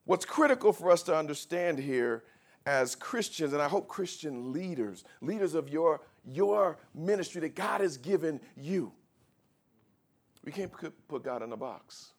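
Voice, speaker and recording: A man preaching a sermon as pastor, in an animated style that swings from quiet teaching to shouting as he acts out scripture. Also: fairly high pitch, measured pace.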